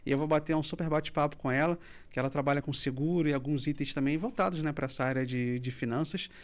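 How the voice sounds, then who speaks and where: A man hosting a finance podcast in a studio, reading sponsor spots and opening an interview with energy. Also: on the high side. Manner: fast, enthusiastic, loud welcome. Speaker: podcast host.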